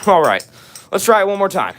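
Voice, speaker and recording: Raspy young guy on a livestream, bit higher voice, reading chat and answering, faint clicks in the background. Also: a bit bright, a little hiss or hum. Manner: reads chat aloud and answers, with frequent "all right" and "uh". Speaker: livestream host. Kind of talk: casual live stream chat with viewers.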